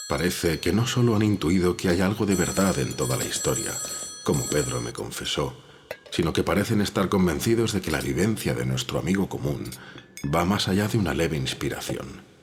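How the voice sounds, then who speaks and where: A calm, analytical editor for audio drama; very deep, animated pitch, noticeable background noise. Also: male voice. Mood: puzzled. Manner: measured, reflective, reasoning.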